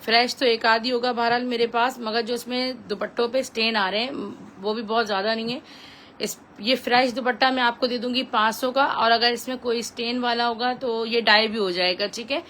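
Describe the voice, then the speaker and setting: High-voiced Pakistani woman pitching clothes live. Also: steady tone, a little fast, a bit bright, a little hiss or hum. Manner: chatty, repetitive selling patter with English phrases mixed in. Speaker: live-stream clothing seller.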